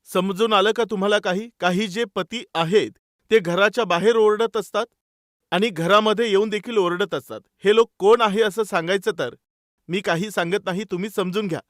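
A man's voice: high voice, normal speed, fairly bright tone, dry recording, clean studio sound. A man preaching a sermon, calling his listeners dear brothers and sisters and telling stories with quoted dialogue.

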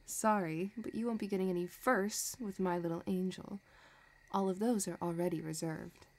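A woman playing a possessive, sadistic villainess who dotes obsessively, condescending and softly menacing, in an intimate audio roleplay. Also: medium pitch, fairly even intonation, moderate pace, close to an everyday voice. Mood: cold, mocking.

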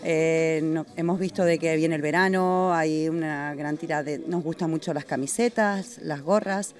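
A woman in her thirties with a lowish voice answers interview questions about her brand. She talks in a relaxed, somewhat hesitant way. She is recorded on a handheld mic inside a restaurant. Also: moderate pace. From Argentina. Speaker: fashion brand founder. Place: indoors in a busy restaurant. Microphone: handheld mic held by interviewer.

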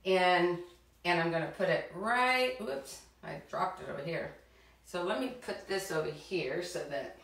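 A woman's voice: fairly low pitch, a bit bright. A middle-aged woman hosting a live cooking demonstration for children in her home kitchen, chatty and encouraging as she talks straight to the kids. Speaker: cooking show host for children. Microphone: far camera. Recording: roomy kitchen sound from a distance.

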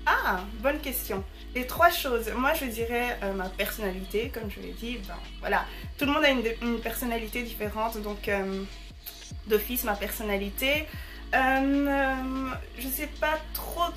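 Bright, bubbly young woman vlogging. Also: fairly high pitch, measured pace, soft background music. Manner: bubbly and chatty, with frequent slangy fillers. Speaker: YouTuber answering viewer messages. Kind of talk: casual chat to camera.

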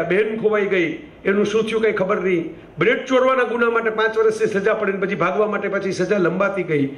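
A man's voice: sits high, fairly bright tone, roomy sound. A man tells a story in a conversational, digressive way, full of asides. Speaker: storyteller, speaker. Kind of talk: storytelling talk.

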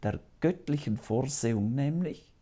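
A man's voice: mid-range voice, animated, measured pace, warm tone, breathy edge. A man in his fifties, a priest, preaching solemnly and earnestly to camera in a small TV studio on a lapel mic. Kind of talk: televised sermon.

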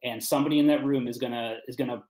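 A man talks casually as a writer on an online panel, halting as he thinks aloud. His voice is mid-pitched, and the room echoes around it. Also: fairly even intonation, darkish tone. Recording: roomy echo on video call.

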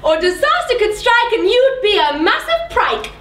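A woman's voice: extremely high pitch, very animated, moderate pace, fairly bright tone, slight background noise, heavily acted. A woman playing a flustered fairy godmother who declaims in rhyme in a comic amateur pantomime. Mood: playful, singsong. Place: theatre stage, recorded from far off. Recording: echoey stage, distant camera mic.

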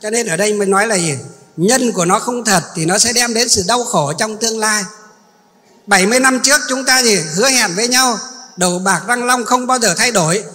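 A man's voice: high voice, brisk, bright, forceful tone. A Buddhist monk giving a sermon, often asking his listeners questions and answering them himself. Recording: long reverb in a hall.

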